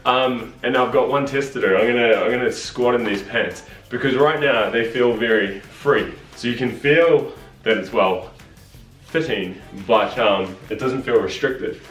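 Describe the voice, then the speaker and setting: A man's voice: medium pitch, unhurried, soft background music. A man in his thirties giving a casual, chatty product review in a living room, with lots of fillers. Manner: chatty, relaxed, many fillers. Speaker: vlogger. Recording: echoey room.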